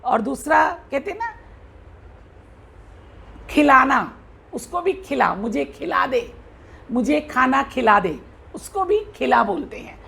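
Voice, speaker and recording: A woman's voice: high voice, sing-song, slow pace, creaky, long pauses, a bit bright, husky. A woman teaching a Hindi lesson to children, patiently drawing out and repeating each sound as she demonstrates.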